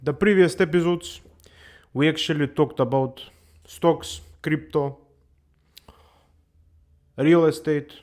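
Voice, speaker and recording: A man hosts a comedy finance show in a playful, overdone way. His voice sits a bit high for a man, and he keeps circling back to "my friends.". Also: slow, pauses often, darkish tone. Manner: playful exaggerated Balkan-English delivery, repeats "my friends". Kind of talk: comedic character monologue.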